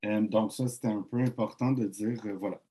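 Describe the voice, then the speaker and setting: Man, mellow and husky, relaxed book presenter. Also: on the low side. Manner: relaxed, conversational, reads passages aloud slowly. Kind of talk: presentation with read-aloud.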